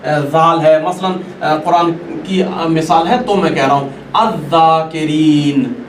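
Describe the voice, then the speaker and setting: A man teaching a Quran recitation class, patiently repeating and stretching out each example word. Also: a little high. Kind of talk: classroom lesson. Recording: echoey room, distant mic, faint noise.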